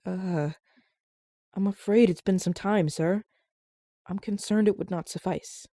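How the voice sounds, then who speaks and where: A woman's voice: medium pitch, steady tone, a little slow, warm tone, no room sound, clean studio sound. A woman playing a timid, polite young attendant, hesitant and deferential, in a fantasy audio drama. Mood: deferential, uneasy.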